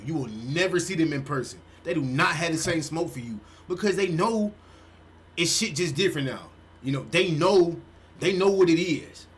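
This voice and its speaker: A man in his twenties, a streamer giving casual reaction commentary, animated and peppering his talk with "bro". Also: on the high side, slight background noise. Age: 20s. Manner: animated, swearing, says "bro" often.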